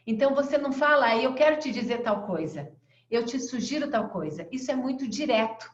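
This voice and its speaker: A woman with a Brazilian accent teaching an online class, acting out fast, slow and melodic ways of speaking as examples. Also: animated. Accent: Brazilian Portuguese. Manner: demonstrates voice tones, shifting pace and pitch. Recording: echoey, dull lo-fi sound.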